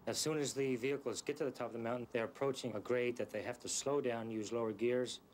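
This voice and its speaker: Man explaining, matter-of-fact, quick pace, faint noise. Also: mid-range voice, steady tone. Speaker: interviewee explaining the road. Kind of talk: explanatory interview.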